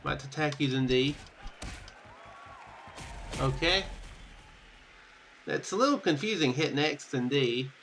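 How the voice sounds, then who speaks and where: Animated bright-voiced man playing a game. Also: fairly high pitch, measured pace, long pauses. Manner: animated, joking asides. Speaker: gaming video host. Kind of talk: casual game commentary, reading dialogue aloud. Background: game music.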